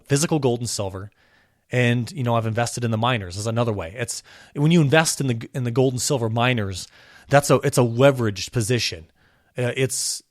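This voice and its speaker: A man hosting his own podcast, talking with impassioned energy, his voice a little hoarse from a cold. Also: dry recording, studio quality. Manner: impassioned ranting, pitch climbing when worked up. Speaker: podcast host. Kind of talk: solo podcast commentary.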